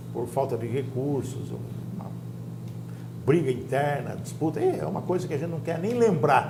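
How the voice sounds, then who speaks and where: Over noticeable background noise and audible room echo, a man talks at a moderate pace with long, frequent pauses. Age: 70s. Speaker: veteran radio and TV broadcaster, former politician. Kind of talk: interview.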